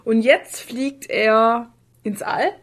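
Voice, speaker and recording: A woman's voice: fairly high pitch, drawn-out words. A woman co-hosting a podcast, explaining things informally and a little hesitantly in casual chat. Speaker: podcast co-host.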